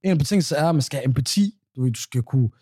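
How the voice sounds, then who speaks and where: Young podcast guy, kinda mellow dark voice, joking around, dry close sound. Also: mid-range voice, animated, breathy edge, no room sound. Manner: teasing, jokey, acts out quoted people. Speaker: podcast co-host. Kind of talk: casual chat.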